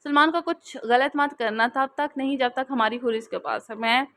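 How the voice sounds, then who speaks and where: A calm, wise father from a romance audiobook, read by a woman. He speaks gently and reassures his family. The voice is fairly high. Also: moderate pace. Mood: reassuring.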